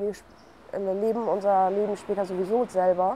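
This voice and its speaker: Her intonation fairly even, a woman talks in a dark, mellow tone. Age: 20s. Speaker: young mother interviewee. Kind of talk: interview testimony. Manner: hesitant, many fillers.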